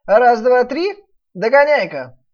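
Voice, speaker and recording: A woman's voice: fairly high pitch, very animated, takes it slowly, voice pushed up, heavily acted. Storybook peasant trickster, a man played by a woman: brash, taunting, swooping intonation, dull sound. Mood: mocking. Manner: taunting, commanding. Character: cunning brash peasant workman, mocking and bossy. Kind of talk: dramatised fairy-tale reading.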